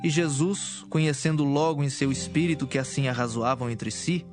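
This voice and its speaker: A man's voice: on the high side, fairly even intonation, moderate pace, over music. A man narrating a dramatized audio Bible in a solemn, formal storytelling style.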